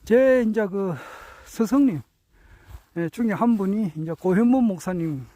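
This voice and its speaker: A man in his sixties giving a reflective spoken talk, earnest and hesitant, with many drawn-out fillers and self-corrections. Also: high-pitched, mellow, no echo, rough recording. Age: 60s. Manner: earnest, self-correcting while counting out years. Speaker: speaker sharing reflections on his teachers.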